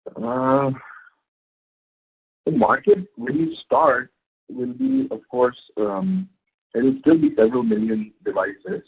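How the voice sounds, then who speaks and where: A man answering questions as a company executive on a conference call, speaking in halting, unscripted phrases. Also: medium pitch, sing-song, gravelly, slightly rough. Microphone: phone conference call. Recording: tinny narrow phone line.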